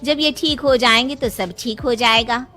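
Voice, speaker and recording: A woman's voice: a little high, moderate pace, pushed and bright, soft background music. A young woman voicing a determined village daughter-in-law in a cartoon, speaking respectfully and earnestly. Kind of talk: cartoon voice acting.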